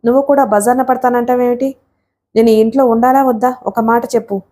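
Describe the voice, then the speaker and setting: A woman's voice: fairly high pitch, fairly even intonation, natural voice. Woman reading as a furious young husband. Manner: shouting in frustration, rapid. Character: angry young husband torn between wife and mother.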